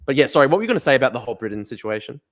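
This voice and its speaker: An Australian man hosting a live-stream podcast, talking rapidly and emphatically with lots of fillers and restarts. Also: mid-range voice, big pitch swings. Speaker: podcast host. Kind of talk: live stream chat, reading viewer comments.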